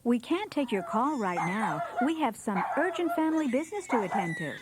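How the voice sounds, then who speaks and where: A woman's voice: fairly high pitch, big pitch swings, fairly quick, heavy background noise. A woman delivering scripted answering machine greetings in a performed way.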